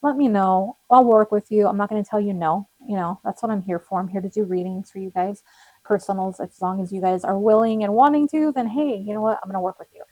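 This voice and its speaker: Casual tarot reader, young woman, rambling and friendly, voice going hoarse. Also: mid-range voice, fast talker, warm tone, dry recording, low-quality recording. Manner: chatty, rambling, with frequent fillers and little laughs. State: losing her voice, slightly cracking. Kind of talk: casual tarot reading to viewers.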